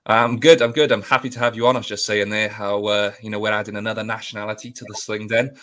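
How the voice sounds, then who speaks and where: A male podcast host welcomes and questions a guest in an easygoing, conversational manner. His voice sits somewhat low. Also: fast talker. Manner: relaxed, conversational, uses fillers like "you know". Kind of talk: podcast interview.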